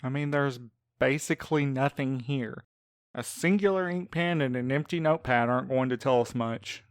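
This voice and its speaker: A man's voice: medium pitch, moderate pace, smooth, dry recording, clean studio sound, natural voice. A man playing a teasing but supportive friend and coworker in a fiction podcast, with wordy, sarcastic quips. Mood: dry sarcasm. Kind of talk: fiction podcast audio drama acting.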